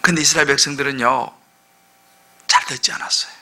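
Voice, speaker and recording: A male senior pastor preaching a lively sermon, acting out quoted voices and leading his congregation in reading aloud. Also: mid-range voice, fairly quick. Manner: animated, acts out quoted voices of people and children.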